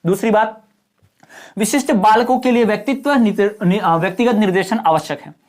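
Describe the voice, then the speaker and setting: A male teacher giving an exam-prep lecture. He explains textbook points in plain talk, tags his lines with quick check-ins, and slows down to stress key terms. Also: high-pitched.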